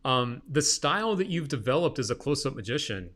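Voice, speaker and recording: A man's voice: medium pitch, sing-song, brisk, a bit bright. A man hosting a casual interview, talking in an informal, effusive and slangy way. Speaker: interviewer, show host.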